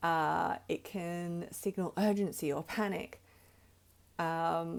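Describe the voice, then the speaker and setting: A woman with a fairly low pitch speaks very slowly and with fairly even intonation in a very clean recording with a silent background. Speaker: podcast host, leadership coach. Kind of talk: podcast monologue.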